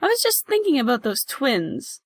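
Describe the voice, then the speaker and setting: A woman's voice: sits high, big pitch swings, normal speed, dry recording. A woman playing a skeptical, blunt older sister in an audio drama. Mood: suspicious. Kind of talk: hobby audio drama acting.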